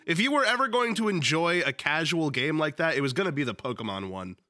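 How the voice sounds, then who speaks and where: Still a bit sick and sniffling, a young man reads a book aloud on his stream at home, his dog nearby. He talks fast and animated in a slightly high, sharp-toned voice, joking around, swearing freely and filling gaps with lots of fillers. Soft music sits in the background.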